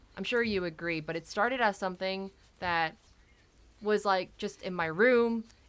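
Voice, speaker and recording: A woman with an American accent speaks at a moderate pace, her medium pitch showing ordinary variation. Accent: American-sounding English, often asked about. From South Korea. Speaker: podcast host and musician. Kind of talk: casual chat.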